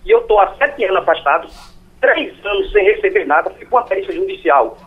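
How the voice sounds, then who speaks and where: A man, calling in with a halting, pleading question that repeats itself. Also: sits high, lively intonation, breathy edge. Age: 60s. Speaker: caller. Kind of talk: phone-in question. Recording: phone line.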